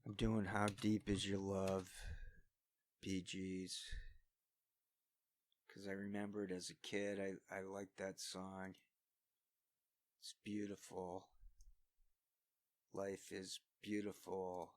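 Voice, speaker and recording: His low-pitched voice is completely flat and slow, with frequent pauses. A solo vlogger on a studio-quality microphone, he talks to himself with a voice gone scratchy from singing, rambling unscripted between singing attempts in a self-deprecating, thinking-aloud way.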